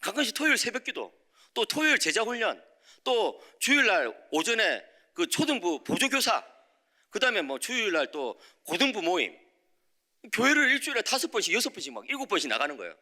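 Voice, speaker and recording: A middle-aged man preaching a dawn sermon in a church, telling a personal story with lively acted-out voices and frequent checks with the congregation. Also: high voice, brisk. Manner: animated, acts out quoted voices, frequent "예?" to the congregation. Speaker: preacher, visiting professor. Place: church sanctuary.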